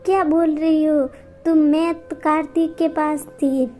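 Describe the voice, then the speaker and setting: A woman's voice: high-pitched, little pitch movement, a little slow, dark tone, soft background music. Woman doing a meek dutiful daughter-in-law. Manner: polite, timid.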